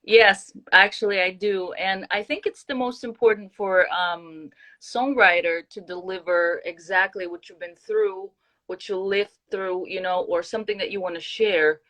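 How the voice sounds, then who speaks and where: A woman from Kazakhstan talking casually as an interview guest, earnest and halting as she searches for words. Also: mid-range voice, steady tone, fairly bright tone. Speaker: guest singer-songwriter.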